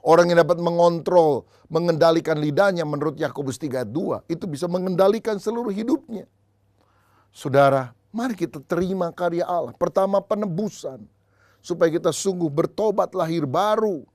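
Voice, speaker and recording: A man's voice: moderate pace, a little mellow, no room sound. Preaching man, dry close voice. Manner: storytelling, acting out dialogue with shifting pitch. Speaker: pastor. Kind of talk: sermon with humorous anecdotes.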